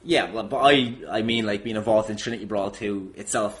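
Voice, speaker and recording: A man's voice: lowish voice, fairly quick, fairly bright tone. Informal, hesitant man hosting a podcast. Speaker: podcast host. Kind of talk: casual chat interview.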